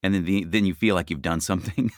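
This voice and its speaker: A man with a deep, gritty voice talking earnestly and emphatically on a podcast, repeating his points. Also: fairly even intonation, quick pace, dry recording, clean studio sound. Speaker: podcast co-host. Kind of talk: casual chat.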